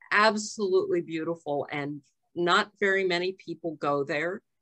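Against a quiet background, a woman with an American accent speaks at a fairly low pitch with ordinary pitch variation. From Ohio, USA. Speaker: former French teacher. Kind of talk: interview answer. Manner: slow, distinct. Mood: cheerful, often laughing. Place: home room. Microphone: video call.

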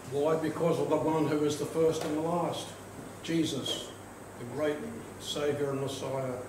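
A man talks with fairly even intonation amid noticeable background noise and audible room echo. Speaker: minister leading a service. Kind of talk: call to worship reading and announcements. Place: church. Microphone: podium.

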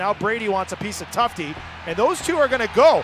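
Over noticeable background noise, a man speaks very fast in an animated, excited tone with lively intonation, the sound dry with no echo. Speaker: hockey play-by-play announcer. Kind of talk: live play-by-play commentary in highlight reel. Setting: arena broadcast recording. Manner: animated, fast-paced, excited on goals; clipped rhythm, rising intensity at each score. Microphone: headset.

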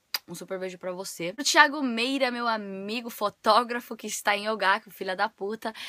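The voice has a bright, sharp, animated tone, big swings in loudness and ordinary pitch variation, moving at a moderate pace with hardly any pauses in a dry recording with no echo and a quiet background. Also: woman. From Brazil. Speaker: vlogger. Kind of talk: casual vlog monologue. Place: home room. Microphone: phone near.

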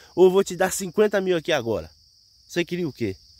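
Recorded very cleanly against a silent background, a man talks at a fairly quick pace with a dry, close sound and no echo. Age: 40s. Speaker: YouTuber. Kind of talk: storytelling vlog. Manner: casual, animated.

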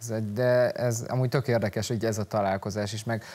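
Fairly low and fairly quick, a man talks in a plain, everyday voice with fairly even intonation. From Hungary. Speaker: TV talk show host. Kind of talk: interview. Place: studio. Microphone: lapel.

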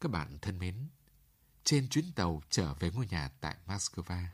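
A man speaks at a fairly slow pace, his voice somewhat breathy. His pitch swings very widely. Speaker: radio announcer, narrator. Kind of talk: scripted radio narration.

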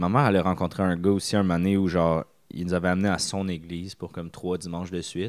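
Against a quiet background, a man talks very fast in a very deep, low, monotone voice with flat intonation. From Quebec. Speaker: comedian. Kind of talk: casual chat. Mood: amused, joking anecdote. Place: office. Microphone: studio mic.

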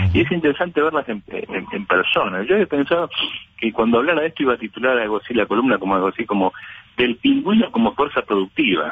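With very wide pitch swings, a man talks at a very fast pace in a dry sound with no echo. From Argentina, Patagonia (Perito Moreno, Santa Cruz); Santa Cruz, Argentina. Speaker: political commentator and historian; political commentator. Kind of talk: radio interview column. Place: studio. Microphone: line interference.

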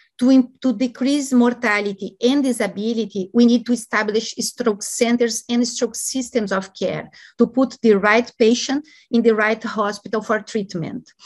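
A woman with a Portuguese accent at a fairly high pitch and moderate pace, fairly even intonation, quiet background. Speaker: neurologist. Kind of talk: interview. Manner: halting. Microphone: webcam.

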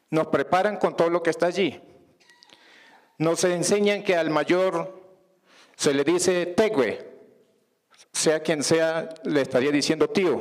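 A man speaks very slowly at a high pitch, with long, frequent pauses and fairly even intonation. His loudness stays very even over a quiet background. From Colombia. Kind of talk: panel talk. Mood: calm, measured. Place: hall. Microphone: handheld.

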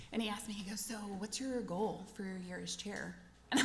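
Noticeable background noise sits behind a woman with a Southern US accent. She talks at a fairly quick pace in a fairly high voice. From Arkansas. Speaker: state education board chair. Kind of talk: formal meeting opening remarks.

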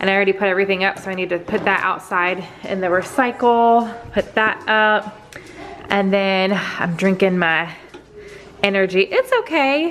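Fairly even intonation at a moderate pace, over light background noise. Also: woman. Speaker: home vlogger. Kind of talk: casual vlog chat. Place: kitchen. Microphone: phone near.

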